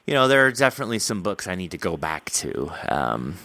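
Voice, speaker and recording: A man's voice: sits low, big pitch swings, fairly quick, vocal fry, bright, forceful tone, no room sound. A man hosting a casual interview with an author, talking in an enthusiastic, complimentary way. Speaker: podcast host interviewing an author.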